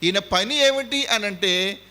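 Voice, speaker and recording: High, bright-voiced Telugu preacher man. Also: slow pace. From India. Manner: emphatic preaching, repeats points and quizzes the audience. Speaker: pastor. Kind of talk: sermon.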